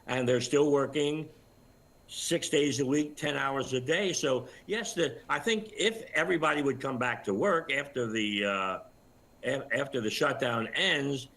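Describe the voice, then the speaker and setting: An older man giving commentary as an expert guest in a live news interview, explaining things in a measured, halting way. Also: medium pitch, a bit bright, poor audio. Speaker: retired air traffic controller, interview guest.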